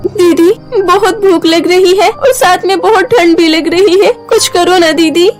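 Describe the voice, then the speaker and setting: A woman's voice: very high-pitched, a little slow, faint music behind, voice pushed up. A woman doing a tearful little cartoon girl. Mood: tearful pleading. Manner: tearful, pleading, childlike. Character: small, timid little sister, a young girl.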